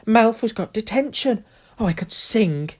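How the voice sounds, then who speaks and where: A man voicing a clever teenage schoolgirl, bright and excited. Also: high voice, a little slow, voice pushed up. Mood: gleeful.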